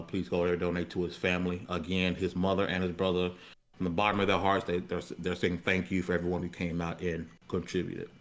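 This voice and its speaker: An American man hosting a podcast in casual, unscripted, colloquial talk, often repeating words as he searches for phrasing. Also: sits low. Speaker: podcast host.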